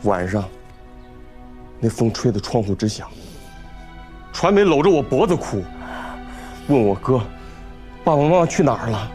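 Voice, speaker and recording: A man's voice: medium pitch, very animated, unhurried, long pauses, a little mellow, soft background music. An actor playing a guilt-ridden young man who pleads desperately with his father. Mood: pleading. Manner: desperate, pleading, tearful outbursts. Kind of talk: TV drama acting.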